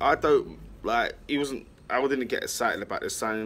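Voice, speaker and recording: A man talks at a moderate pace with ordinary pitch variation. There is light background noise. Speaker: football fan vlogger. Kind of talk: casual vlog chat. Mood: relaxed opinionated. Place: street. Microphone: phone near.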